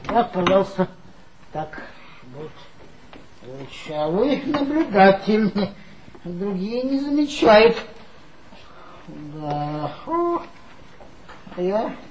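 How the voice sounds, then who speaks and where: A man's voice: sits high, background noise, exaggerated voice. An actor playing a tipsy former magazine worker who mockingly gossips about his old boss in a 1960s radio play. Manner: gossipy, mocking, confiding storyteller.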